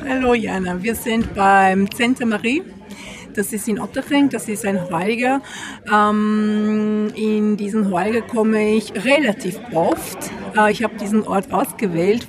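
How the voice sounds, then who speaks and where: A woman from Italy with an Italian accent, speaking German as a podcast guest in a casual chat, hesitant with many fillers. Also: mid-range voice. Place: outdoor wine tavern with other guests around. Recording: clear crowd noise behind. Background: crowd chatter.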